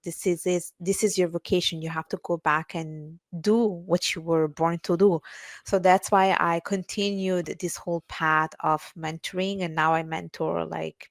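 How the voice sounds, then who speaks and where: A woman's voice: sits low, creaky, no echo. A woman from Italy, a finance professional and mentor, answering interview questions earnestly, with many fillers and restarts.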